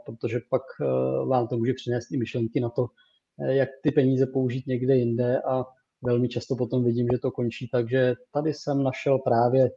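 A man, a financial adviser on a podcast, speaking in a measured way with fillers. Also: mid-range voice, warm tone, lo-fi sound. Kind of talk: casual podcast talk.

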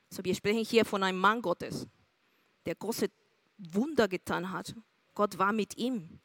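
A woman's voice: fairly high pitch, fairly bright tone, dry recording. Earnest woman preacher, dry sound. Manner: earnest, speaks straight to listeners with questions. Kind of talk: sermon.

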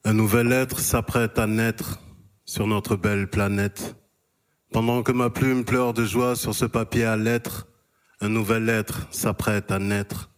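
A man reciting a poem in a steady, earnest reading voice. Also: on the low side, slow. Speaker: workshop participant. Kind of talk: poetry recitation.

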